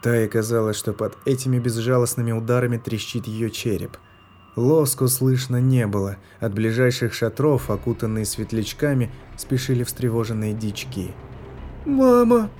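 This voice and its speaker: Dark-voiced man narrating a story. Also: lowish voice, slight background noise. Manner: measured, tense storytelling. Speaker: audiobook narrator.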